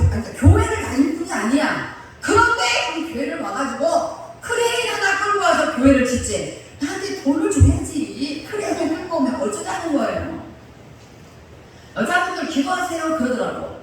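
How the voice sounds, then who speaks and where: A woman pastor preaching a sermon, telling personal stories in a lively way, often laughing and acting out the people in them. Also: high-pitched, slight background noise. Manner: animated storyteller, often laughing and acting out quotes. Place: church sanctuary. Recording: echoey church hall, mic far off.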